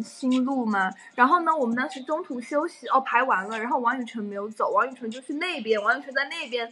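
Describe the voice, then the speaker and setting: A young woman on a casual livestream tells stories in a lively rush, laughing often. Her voice is high and sharp-edged with a slightly husky, airy grain. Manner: animated storytelling, frequent laughter.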